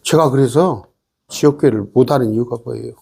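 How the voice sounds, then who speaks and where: A man's voice: medium pitch, a little fast, vocal fry, mellow, breathy edge. A man preaching a sermon as pastor, emphatic and full of rhetorical questions and "eh?" asides.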